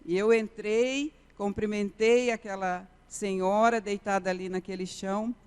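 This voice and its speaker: A woman's voice: mid-range voice, steady tone, measured pace, a little mellow, clear, resonant tone. A woman, a missionary telling an earnest testimony in a sermon, often repeating key phrases. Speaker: missionary preacher. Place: church sanctuary. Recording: reverberant church hall.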